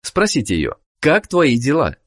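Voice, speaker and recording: A man narrating a scripted language course, giving clear prompts to the learner. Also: mid-range voice, wildly swooping pitch, unhurried.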